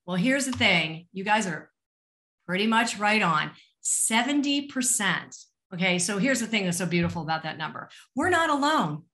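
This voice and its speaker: Middle aged lady coach doing a webinar on video call, encouraging, chatty, medium pitch. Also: sing-song, moderate pace, bright, forceful tone. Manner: encouraging, addresses listeners directly with rhetorical questions. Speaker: career coach and presenter. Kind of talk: webinar presentation, conversational coaching. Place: small indoor room, online webinar.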